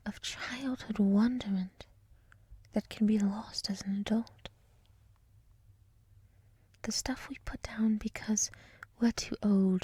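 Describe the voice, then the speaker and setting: A woman playing a gentle, wise monster lady in an ASMR roleplay, whispering softly in a soothing, reflective, encouraging way, close to the mic. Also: a little high, no echo, full character voice. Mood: gentle, wistful. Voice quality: soft, breathy whisper. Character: gentle, wise monster woman with many eyes, hotel resident. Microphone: close mic, dry.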